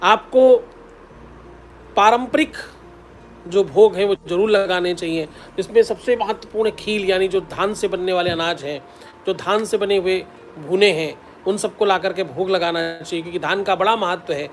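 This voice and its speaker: A man's voice: high-pitched, moderate pace, slight background noise. A man, a spiritual teacher, giving devotional advice in an instructive way, repeating the key steps and intoning mantras.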